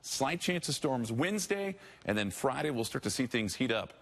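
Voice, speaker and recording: A man's voice: mid-range voice, very animated, moderate pace, gravelly, fairly bright tone. A man with an American accent giving a chatty, ad-libbed weather forecast on local television. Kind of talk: live weather commentary, chatty ad-lib.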